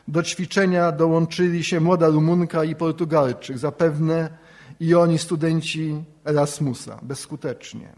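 A middle-aged man reads a polished prepared speech at a ceremony. His voice sits a little higher than usual for a man. He is reflective and eloquent, with a touch of gentle irony. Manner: reflective, eloquent, lightly ironic. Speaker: award speaker.

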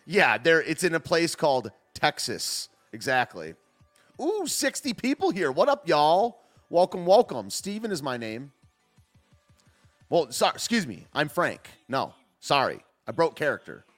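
A man's voice: a little high, big pitch swings, a little slow, fairly bright tone, faint music behind. A man hosting a casual livestream, reacting to clips and chat in a joking, rambling way that often trails off and restarts. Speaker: livestream host. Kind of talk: casual commentary, reading chat.

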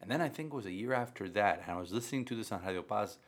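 Low-voiced, emphatic Catholic priest, native Spanish speaker. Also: male voice, animated, very fast. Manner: emphatic, repeats phrases for stress. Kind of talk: conversational religious talk.

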